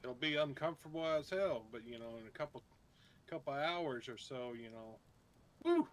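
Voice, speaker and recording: A man's voice: medium pitch, moderate pace. A man talking casually and matter-of-factly as a player in a roleplay game. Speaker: player in a zombie survival roleplay. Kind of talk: casual in-character roleplay chat. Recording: faint background noise.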